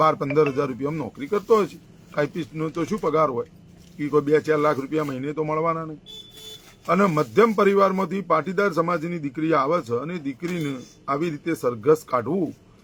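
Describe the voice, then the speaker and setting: Over noticeable background noise, a man speaks at a fairly high pitch, with ordinary pitch variation and big swings in loudness. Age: 40s. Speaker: political commentator. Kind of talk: live monologue.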